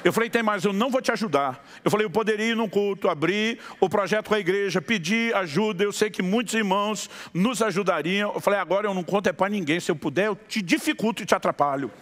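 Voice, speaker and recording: Pastor telling a lively story. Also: male voice, high voice, fast, few pauses. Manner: lively anecdotal telling with quoted dialogue and laughter. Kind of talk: storytelling sermon.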